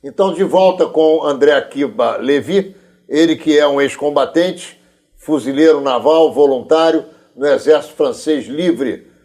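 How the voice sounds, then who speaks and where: A man's voice: on the high side, a little slow, warm tone. A man with a Brazilian accent, hosting a television interview in a conversational style.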